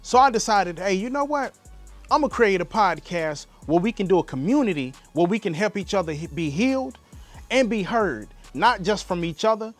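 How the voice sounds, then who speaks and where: A man from Alabama with a Southern Black American accent hosts a casual solo podcast, with faint music in the background. His voice is high-pitched and expressive at a moderate pace. He speaks folksily straight to listeners, firing rhetorical questions and calling them endearments like "baby".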